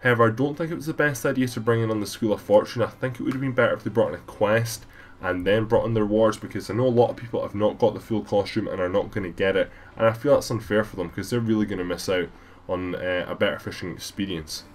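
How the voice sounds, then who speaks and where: Male gaming vlogger, deep and low, sick with a cold, rapid rambling voiceover. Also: a little hiss or hum. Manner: rambling, casual, many fillers. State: has a cold, stuffy. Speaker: gaming YouTuber. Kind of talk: gameplay voiceover commentary.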